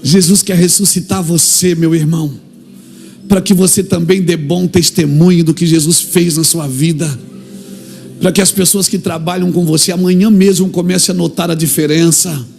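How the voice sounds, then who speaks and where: A man preaching a fervent sermon, acting out little dialogues and building up to shouts. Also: on the high side, steady tone, normal speed, vocal fry, faint music behind.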